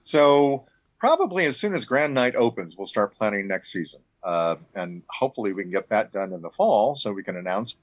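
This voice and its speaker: A man's voice: fairly low pitch, big pitch swings, moderate pace, no room sound, highs cut off. A man talking casually as an interview guest, an artistic director of a theater.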